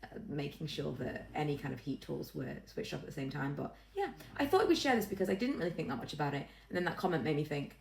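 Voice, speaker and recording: A woman's voice: sits low, big pitch swings, fast, gravelly, few pauses, slight background noise. A woman vlogging casually, rambling in a self-deprecating way and repeating phrases for emphasis. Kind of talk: casual chatty vlog to camera.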